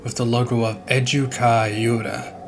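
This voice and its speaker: A man's voice: mid-range voice, level tone, normal speed. Man narrating a story over music. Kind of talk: dramatic scripted horror-story narration. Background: faint music.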